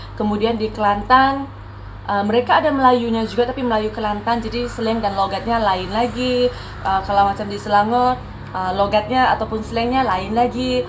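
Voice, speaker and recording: Over noticeable background noise, a woman with an Indonesian accent speaks at a moderate pace. Her voice is fairly high and her intonation fairly even. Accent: Indonesian-sounding Malay. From Malaysia, Sabah (Tawau). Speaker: vlogger. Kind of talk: casual vlog talk. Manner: halting, many fillers.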